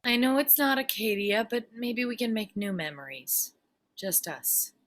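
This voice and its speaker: A woman playing a gentle, subdued mother, distant but trying, in a script read. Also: a little high, big pitch swings, unhurried. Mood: tentative, tender.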